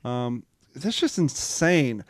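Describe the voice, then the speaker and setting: A man's voice: mid-range voice, very animated, takes it slowly, no echo, studio quality. A man hosting a casual talk show, reading news aloud in an easygoing way with fillers like "um" and "uh". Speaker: host.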